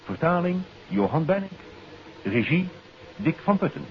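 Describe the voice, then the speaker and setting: A man formally announcing a 1950s Dutch radio play in a measured, scripted style. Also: fairly high pitch, sing-song. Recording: muffled 1950s radio recording. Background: loud music.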